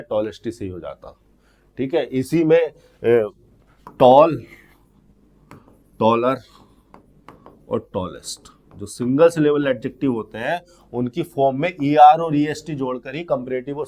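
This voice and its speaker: With a medium-pitched, darkish voice, a male English grammar teacher leads an exam-prep lesson. He breaks everything into steps, asks questions and answers them himself, and drops to a crawl to read example sentences word by word.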